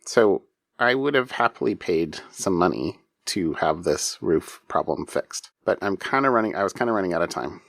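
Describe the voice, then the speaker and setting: A man's voice: low-pitched, expressive, normal speed, gravelly, dry recording, clean studio sound. A middle-aged man co-hosting a podcast, sleepy and yawning, chatting casually in a rambling way with many restarts. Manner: rambling, with frequent restarts and self-interruptions. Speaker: podcast co-host. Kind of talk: casual chat.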